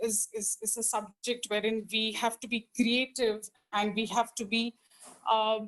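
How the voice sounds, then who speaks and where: At a fairly slow pace, a woman speaks with an Indian accent. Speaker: lawyer. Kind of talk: panel discussion. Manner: halting, many fillers.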